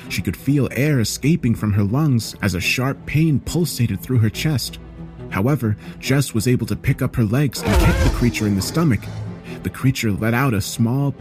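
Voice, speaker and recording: A man reading a scripted horror story in a measured, serious way, as a storyteller. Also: mid-range voice. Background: background music.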